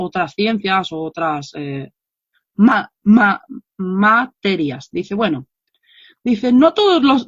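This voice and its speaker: A woman relaying a religious lecture in an informal lesson, halting often and restarting her words as she explains. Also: a little high, no echo. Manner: halting, many restarts and self-corrections. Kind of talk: informal Islamic study lesson. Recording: dull lo-fi dry recording.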